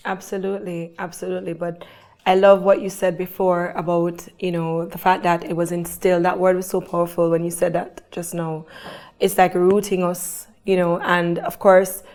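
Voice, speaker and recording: A woman's voice: on the low side, little pitch movement, normal speed, darkish tone. A woman being interviewed who tells her story in an earnest, faith-filled way. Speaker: guest. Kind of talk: conversational interview.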